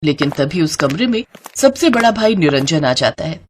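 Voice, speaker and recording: A woman's voice: low voice, very animated, moderate pace, slightly rough. A woman giving scripted narration for a cartoon story.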